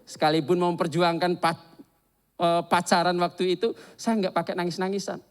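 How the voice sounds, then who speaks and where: A man preaching a sermon and telling a candid personal story in an animated, confessional way. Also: sits high, a little fast.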